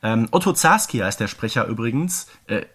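A man's voice: medium pitch, animated, moderate pace, fairly bright tone, slightly rough. A man co-hosting a podcast, chatting casually and giving his opinions on an audio drama series. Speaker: podcast co-host.

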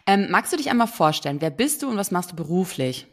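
A woman's voice: on the low side, big pitch swings, fast talker. A woman hosting a German podcast interview, chatty with frequent fillers. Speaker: podcast host.

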